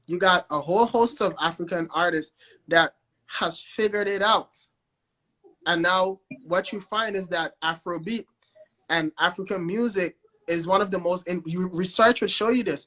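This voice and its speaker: A man with a Guyanese accent speaks with a high, bright voice. He talks in an animated way, doubling back on words as he builds up to each point, in a relaxed interview chat. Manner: animated, repeats himself, enthusiastic. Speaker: guest, record label founder. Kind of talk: casual interview over a live stream.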